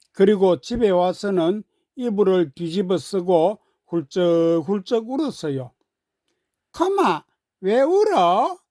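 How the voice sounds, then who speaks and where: A woman's voice: lowish voice, warm tone, no echo, studio quality. A woman storyteller narrating a children's story from a script.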